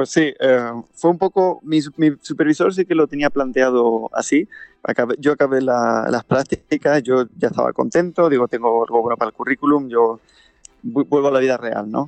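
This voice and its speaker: Here is a man with an ordinary speaking voice, a fairly high pitch and ordinary pitch variation. He talks at a moderate pace in a dry, close sound with no echo. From Spain, Linares (Jaén), Andalusia. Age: 20s. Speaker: aerospace engineer. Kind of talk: interview.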